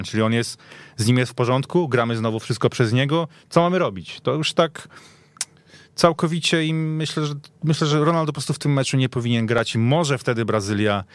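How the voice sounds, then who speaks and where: A man's voice: medium pitch, dry recording. A man speaking as a football pundit in a casual discussion, opinionated and emphatic.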